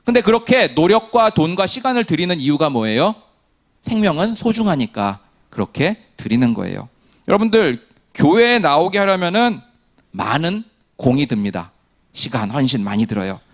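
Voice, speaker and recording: A man preaching a sermon from the pulpit, his slightly high voice swinging widely up and down. He asks the congregation quick questions, answers them himself, and slips in jokes along the way. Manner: animated storytelling with humor. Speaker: pastor.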